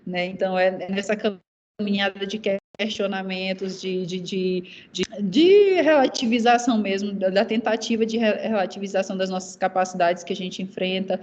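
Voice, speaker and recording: A young indigenous woman from Maranhão, Brazil, whose first language is Zé'eng eté, giving earnest personal testimony as a lawyer on a panel, with halting restarts and repeated fillers. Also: mid-range voice, a little mellow. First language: Zé'eng eté (Guajajara language).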